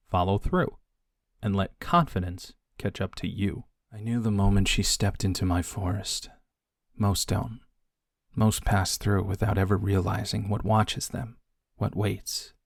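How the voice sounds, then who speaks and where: A man narrates an audiobook in a low, dry-sounding voice. His delivery is unhurried and hushed, with deliberate pauses for dramatic effect. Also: no room sound.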